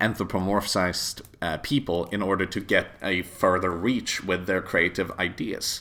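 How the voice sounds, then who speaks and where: Speaking at a moderate pace, a man with a non-native accent keeps his intonation fairly even. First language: not English. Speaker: YouTube commentator. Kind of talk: casual discussion. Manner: halting.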